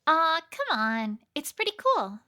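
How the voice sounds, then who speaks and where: A woman's voice: high-pitched, big pitch swings, unhurried, sharp tone, heavily acted. A woman voicing an eager, bookish young female student with an earnest, theatrical, determined manner in a fan fiction audio drama. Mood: playful coaxing.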